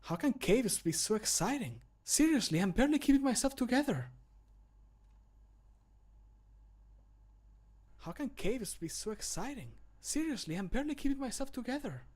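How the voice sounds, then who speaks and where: A man voicing an excitable male adventurer in video game lines, with an eager manner. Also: very high voice, brisk, hardly any pauses, voice pushed up, full character voice. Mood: excited. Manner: eager, gushing. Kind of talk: video game voice line acting.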